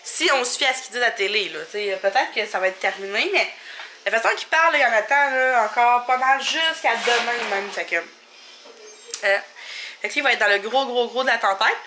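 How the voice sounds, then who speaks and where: A Québécois woman in her thirties rambles through a casual home vlog, her voice bright and a little high. She sounds slightly stuffy and sniffly, with many fillers and small laughs. A faint clatter of dishes carries from her kitchen. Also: a little fast, a little hiss or hum. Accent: Québécois French. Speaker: family vlogger.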